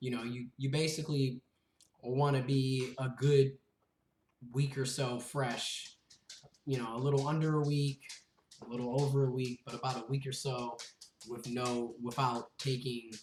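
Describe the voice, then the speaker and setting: The voice stays monotone, with flat intonation. Music plays in the background. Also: man. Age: 20s. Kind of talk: casual vlog. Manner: halting, many fillers.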